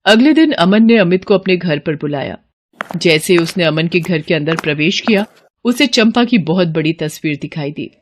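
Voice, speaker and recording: A woman's voice: on the low side, lively intonation, normal speed, slight background noise. Woman narrating a storybook tale.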